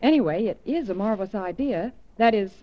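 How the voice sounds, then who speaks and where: A woman's voice: mid-range voice, expressive, a little fast, natural voice. An actress playing an eager, persuasive woman in 1940s radio drama style. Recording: dull vintage radio recording.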